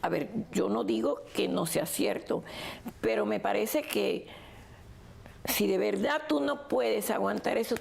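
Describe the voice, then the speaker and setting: A woman's voice: mid-range voice, unhurried, vocal fry, a little hiss or hum. A middle-aged woman from the United States, talking casually in an interview and mixing in English phrases. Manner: animated storyteller, switches between Spanish and English.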